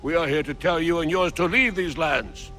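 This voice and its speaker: An actor playing a proud tribal spokesman who speaks firmly and gravely. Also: fairly high pitch, moderate pace, bright, forceful tone, faint music behind. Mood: defiant. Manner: firm, grave and defiant.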